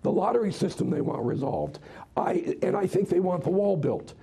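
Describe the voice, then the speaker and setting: An American man, hoarse and raspy from a cold, giving political commentary as a radio host guest in an interview. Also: high-pitched, very animated, moderate pace, warm tone. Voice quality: husky, raspy, strained.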